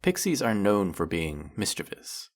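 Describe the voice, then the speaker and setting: A man's voice: deep voice, big pitch swings, measured pace. A man playing a teasing, sarcastic, flirtatious male faerie in a scripted roleplay monologue, scolding the listener with dry, theatrical playfulness. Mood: indignant, explaining.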